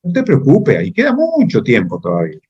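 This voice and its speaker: Man speaking as a caring, concerned mother, gentle and reassuring, retold within a lecture, pitch moving widely, somewhat muffled recording. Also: huge pitch swings, brisk, slightly rough.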